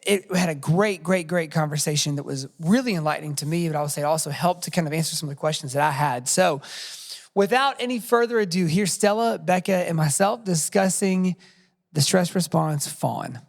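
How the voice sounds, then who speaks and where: A man's voice: fairly high pitch, fairly quick, creaky, in a large hall. A man hosting a podcast, talking casually with lots of fillers and restarts. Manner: friendly, rambling with many fillers. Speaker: podcast host.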